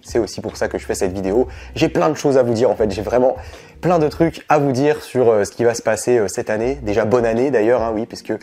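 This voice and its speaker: A man's voice: medium pitch, quick pace, warm tone, faint music behind. A young man with a cold talks casually to camera, rambling with lots of fillers. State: stuffy, has a cold. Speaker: travel vlogger.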